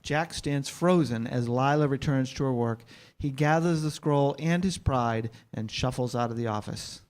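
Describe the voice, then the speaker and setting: A man's voice: medium pitch, normal speed, darkish tone. A man giving scripted narration, reading out stage directions at a staged screenplay reading.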